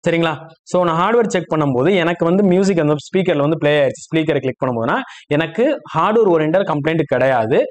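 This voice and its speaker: A man giving a step-by-step spoken tutorial as a repair instructor, explaining and checking understanding with short questions. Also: fairly high pitch. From India.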